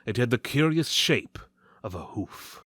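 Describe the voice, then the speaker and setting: A man gives a dramatic reading of epic fantasy. He is solemn and theatrical, leaning on key words with a very animated pitch. The recording is dry and close. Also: no room sound. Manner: theatrical, solemn, deliberate emphasis. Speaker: story narrator.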